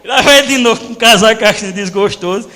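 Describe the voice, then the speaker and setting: A male pastor from Brazil, preaching a sermon as animated storytelling and acting out voices. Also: high voice, quick pace, in a large hall. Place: church hall.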